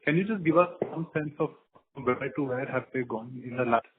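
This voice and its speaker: A man, an analyst asking direct, brisk questions on an earnings call. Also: mid-range voice. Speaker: analyst caller. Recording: telephone line with faint noise.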